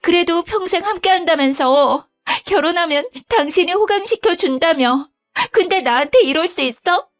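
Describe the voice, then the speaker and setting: A woman voicing a scheming young wife who begs and stammers in a whiny, high voice. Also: expressive, moderate pace, few pauses, faint music behind. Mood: pleading. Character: pleading scheming young wife, daughter-in-law.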